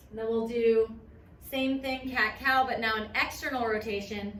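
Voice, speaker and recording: Amid noticeable background noise and audible room echo, a woman talks at fairly high pitch and a moderate pace. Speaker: yoga and mobility instructor. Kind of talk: guided workout instruction. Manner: loud.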